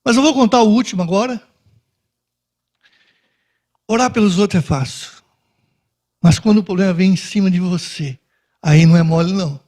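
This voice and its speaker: High-voiced preacher telling a testimony. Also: male voice, moderate pace, pauses often. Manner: animated storytelling, acting out dialogue. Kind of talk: sermon testimony.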